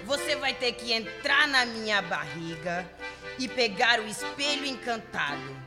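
Radio play ogre: sly Brazilian man-eater, creaky, slow, wildly swooping pitch. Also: animated. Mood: commanding. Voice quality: croaky, creaky. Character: sly cave-dwelling man-eating folk monster with huge mouth. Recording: loud music behind, long reverb.

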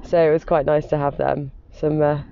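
A man's voice: on the high side, flat delivery, moderate pace, gravelly, mellow, muffled recording, slight background noise. A British man chatting casually as an interview guest, telling anecdotes in a gushing, emphatic way. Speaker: interview guest, former personal assistant to wealthy clients.

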